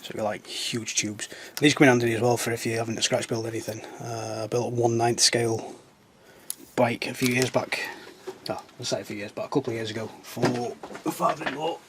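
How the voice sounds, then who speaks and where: A croaky man talks through a scale-model build in a loose, self-mocking way. His voice sits in an ordinary middle range. The recording is noisy, with plastic crinkling behind him. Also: medium pitch, steady tone, fairly quick. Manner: rambling, self-mocking, chatty. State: croaky from a sore throat. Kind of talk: casual how-to chat.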